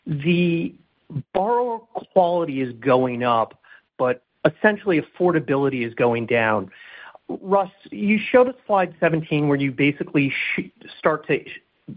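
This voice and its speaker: A man speaking as a financial analyst, putting questions to company management on an earnings call. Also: fairly high pitch. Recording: thin, narrow phone line.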